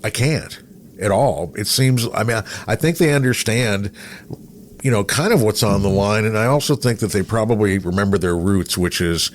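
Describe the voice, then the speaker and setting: A middle-aged American man hosting a casual chat show, rambling through anecdotes with hesitant pauses. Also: on the low side. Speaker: podcast host, radio veteran.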